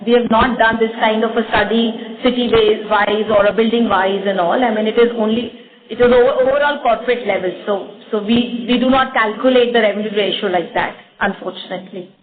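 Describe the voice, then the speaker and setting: A woman's voice: on the high side, moderate pace, a crowd in the background. A woman with an Indian accent answering questions as a company executive on an earnings call, explaining carefully and repeating words. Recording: tinny phone-line conference call.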